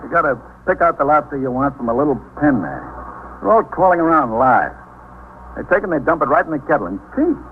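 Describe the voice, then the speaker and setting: A man's voice: a little high, fairly quick. An actor playing a male police lieutenant in a 1950s radio drama, chatting in an easygoing way. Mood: chatty. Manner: chatty, lively storytelling. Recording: tinny lo-fi 1950s radio broadcast with faint hiss.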